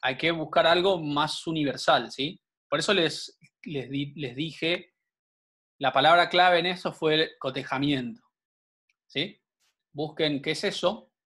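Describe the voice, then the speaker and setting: A man teaches a programming class online. He explains step by step and keeps checking whether the students follow. His voice sits a little higher than most men's. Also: unhurried, bright, forceful tone, husky. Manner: patient, explanatory, frequent check-ins with students.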